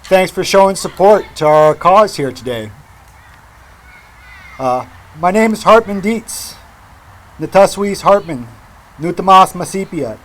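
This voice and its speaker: High-pitched man giving an emphatic rally speech. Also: expressive, poor audio. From Mashpee, Massachusetts, United States. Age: 40s. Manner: emphatic, deliberate repetition. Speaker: rally speaker. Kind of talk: impassioned public speech at a rally. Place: outdoor rally.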